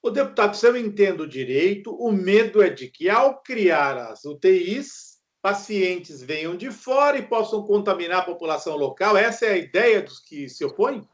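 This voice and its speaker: Older man, Brazilian accent, slightly high pitch, interviewer, conversational, muffled lo-fi recording. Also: very animated, normal speed. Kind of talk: casual remote interview. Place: room at home.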